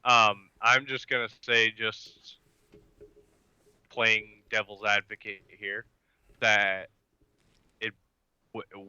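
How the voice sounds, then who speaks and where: A man playing a polite, earnest team member who speaks deliberately and courteously, pausing as he presses for action. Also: on the low side, bright, forceful tone, clean tone, dry recording, lo-fi sound, full character voice.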